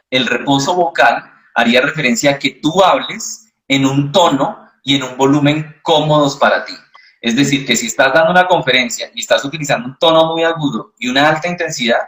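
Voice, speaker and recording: A man answering as a voice specialist in an interview, explaining patiently and teaching with examples. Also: mid-range voice. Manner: calm, didactic, uses examples. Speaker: voice specialist guest.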